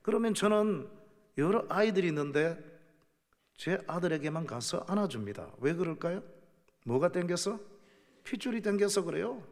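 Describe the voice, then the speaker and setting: Guest preacher, middle-aged man, emphatic delivery, slightly high voice, long church reverb. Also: expressive, moderate pace, long pauses. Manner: emphatic, questions to the congregation. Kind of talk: sermon. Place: church sanctuary.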